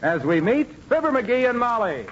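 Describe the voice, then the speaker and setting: A man announcing a 1940s radio comedy in a smooth, declaiming way. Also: very high voice, big pitch swings, normal speed, a loud crowd, heavy background noise. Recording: muffled old radio broadcast.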